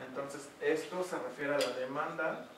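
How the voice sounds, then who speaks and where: A man's voice: a little high, normal speed. A man with a Mexican accent giving an online tutoring session as teacher, talking in a chatty way full of fillers. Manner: chatty, uses many fillers. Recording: echoey room, distant mic, noisy.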